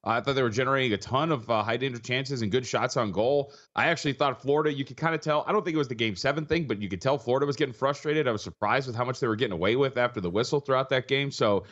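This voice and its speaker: Husky, tired man talking fast. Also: medium pitch, fairly bright tone, lo-fi sound. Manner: fast, stat-heavy, with frequent restarts. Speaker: betting analyst guest. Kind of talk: rapid sports betting analysis.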